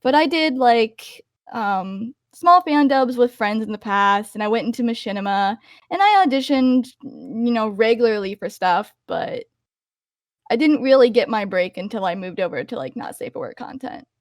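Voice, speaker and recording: Young woman, kinda high voice, chatty interview answers, lots of ums, dry sound. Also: lively intonation, moderate pace, no room sound. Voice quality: higher-pitched voice. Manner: chatty, many fillers and restarts. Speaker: voice actor guest.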